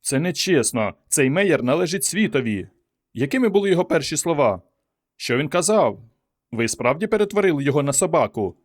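A nosy, pushy newspaper reporter rattling off questions in quick bursts, as a man voices him. The voice rides above the narrator's usual pitch. An audiobook character. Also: very animated.

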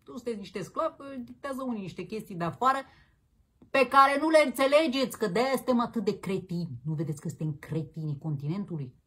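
Her voice is husky and mid-range, with lively intonation. As host of a political commentary show, she launches into a combative rant full of crude mockery and slang forms of address.

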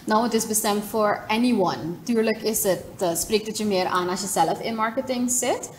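A woman's voice: medium pitch, normal speed. Casting: young woman, Surinamese accent, casual organiser interviewed in a studio, slight background noise. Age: young adult. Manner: informal, mixes English words into speech. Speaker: guest, event organiser. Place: TV studio, seated at desk.

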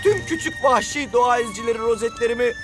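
Very high, excitable young cartoon footballer, anxious, music behind. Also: male voice, fast talker. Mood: guilty. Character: jittery young male footballer, fake scout. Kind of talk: cartoon dub acting.

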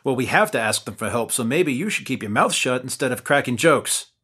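A man's voice: mid-range voice, expressive, brisk, bright, forceful tone, husky. A young man narrating and playing his character in a tabletop game, with a dry, exasperated manner. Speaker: player narrating as main character.

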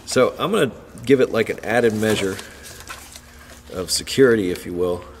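A man's voice: lowish voice, moderate pace. A man casually demonstrating a car repair step by step while he works, talking as he handles parts. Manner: relaxed, talks while working with hands. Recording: long reverb with faint background noise.

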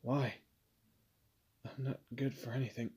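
Slow, husky man acting a wry, weary guy. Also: medium pitch, flat delivery, darkish tone, dry recording. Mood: resigned, uneasy. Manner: hesitant, halting, sardonic. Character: weary, wry young man kidnapped by a mob boss. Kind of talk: first-person roleplay audio drama, conversational.

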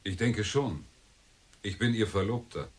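An actor playing a defensive suspect in a radio drama, protesting and evasive. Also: male voice, fairly low pitch, measured pace, close to an everyday voice. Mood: indignant. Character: defensive male suspect, a woman's fiancé. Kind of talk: German radio drama acting.

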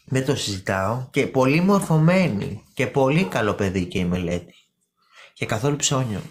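A woman's voice: a bass voice, expressive, darkish tone. Woman, live-stream host, gossipy, chatty, repeats words for emphasis, talks to viewers by name. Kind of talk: casual live-stream chat.

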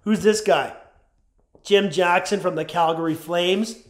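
Sniffly 40s guy filming an empty house on a handheld cam, chatty, higher voice, keeps saying guys. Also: fairly even intonation, measured pace. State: sniffly, runny nose. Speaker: urban explorer vlogger. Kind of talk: casual walkthrough narration. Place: empty abandoned house, indoors. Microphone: handheld camera.

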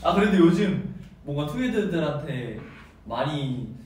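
A young man from the Daegu area with a slightly raised pitch talks animatedly with his group, teasing and laughing. The sound comes from a camera across a hard-walled meeting room, heavy with echo. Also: sing-song, unhurried, darkish tone, a little hiss or hum. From Daegu area, South Korea. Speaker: idol group member on a live stream. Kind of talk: casual group chat. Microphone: far camera. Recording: very echoey room from far off.

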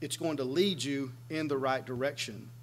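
A man's voice: medium pitch, steady tone, normal speed. A man in his forties preaching a sermon in a small church room, earnestly explaining scripture and gesturing as he talks. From United States. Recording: faint background hum.

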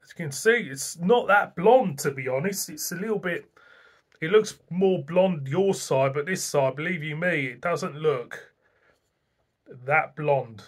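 A man's voice: fairly high pitch, unhurried, breathy edge. A middle-aged man reviewing a beer to camera in a casual, rambling, plain-spoken way, recorded in a small room at home.

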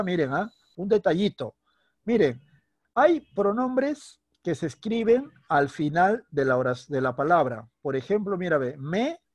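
A man teaching a primary school class online. He is patient, checks in constantly with short questions, and slows down to stress words when he explains. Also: high-pitched, no room sound. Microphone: computer mic on a video call.

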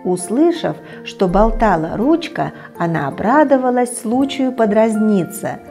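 A woman's voice: medium pitch, a little slow, faint music behind. Middle-aged woman reading a bedtime story. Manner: gentle, expressive reading. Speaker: children's TV storyteller. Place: indoor TV studio set, children's room.

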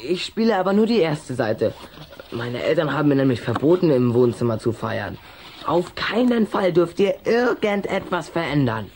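A woman playing an anxious, sensible schoolboy who is quick with excuses, in a children's audio drama. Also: sits low, sing-song, darkish tone. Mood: earnest, cautious.

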